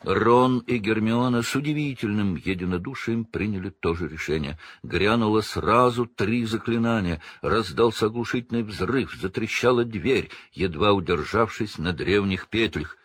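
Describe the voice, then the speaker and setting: A man narrating an audiobook in a dramatic, measured way. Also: on the low side, a bit bright, slightly rough, no echo. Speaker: reader.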